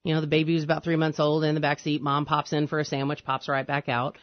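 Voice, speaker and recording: A man hosting a radio call-in show, talking in a smooth, easy host manner and agreeing along with his guest. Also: fairly high pitch, completely flat delivery, no echo. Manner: smooth, conversational, quick to agree. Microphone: studio microphone. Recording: dull, dry radio studio sound.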